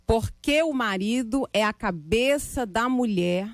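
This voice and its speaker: A woman's voice: a little high, expressive, slow, no echo, studio quality. A woman on a radio panel giving religious commentary in a preacherly, explanatory way. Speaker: debate panelist, gospel singer. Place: dry radio studio.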